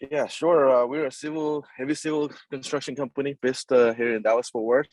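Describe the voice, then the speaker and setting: A man's voice: mid-range voice, fairly even intonation, a little fast, a little mellow, no echo. Hesitant Nepal-born man with a dry sound. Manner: hesitant, many fillers and repeated words, polite "yes, sir". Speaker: construction company CEO, guest. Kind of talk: casual interview answers.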